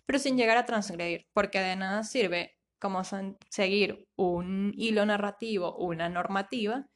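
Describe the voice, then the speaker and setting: A woman's voice: medium pitch, moderate pace. A woman with a Colombian accent co-hosting a podcast, in a reflective and somewhat philosophical way, partly reading from her own essay. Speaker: podcast co-host.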